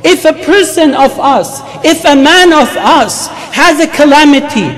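A man in his thirties with an Arabic accent preaches as an imam, emphatic and halting, repeating words as he goes. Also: very high-pitched, animated, a bit bright. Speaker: imam giving a Friday sermon. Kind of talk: sermon with Arabic recitation and English explanation. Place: mosque, speaking from a wooden pulpit.

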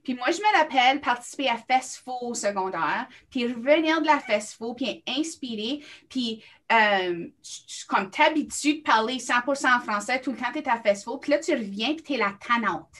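A woman's voice: a little high, animated, normal speed, hardly any pauses, fairly bright tone. A woman with a Franco-Ontarian French accent, chatting on a panel in a friendly way and using local slang. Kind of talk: casual panel discussion.

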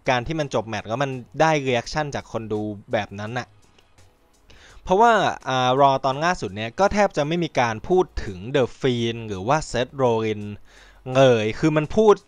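A man hosting a podcast in casual chat, rambling and excitable, swearing freely and acting out quotes. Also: medium pitch, unhurried, smooth, no room sound. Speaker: podcast host.

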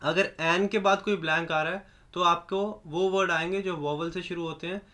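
A young man with a high, bright voice teaches grammar rules step by step. He explains in Hindi and reads each English example sentence slowly, word by word, as a patient instructor. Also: steady tone. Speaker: language teacher. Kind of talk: explanatory lesson.

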